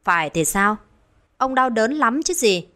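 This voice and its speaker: A woman voicing a cruel, scheming middle-aged village wife who taunts in a shrill, sneering voice. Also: expressive, measured pace, pushed and bright. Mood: defiant. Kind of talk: dramatized horror storytelling.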